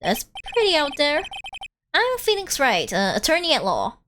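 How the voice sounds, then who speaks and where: A woman's voice: high-pitched, huge pitch swings, moderate pace, fairly bright tone, full character voice. A woman voicing an earnest, hesitant young male defense attorney in a video game, questioning and easily flustered.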